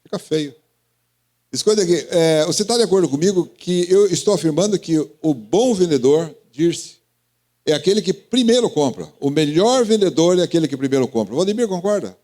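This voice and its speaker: Man, Brazilian accent, pastor, interactive sermon, high voice, very lively pitch. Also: fairly quick. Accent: Brazilian Portuguese. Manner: calls on listeners by name, questioning and teasing.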